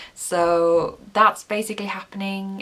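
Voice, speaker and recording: A woman with a Norwegian accent amid noticeable background noise. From Norway. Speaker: knitting podcaster and designer. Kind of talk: casual vlog talk. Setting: home. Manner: animated.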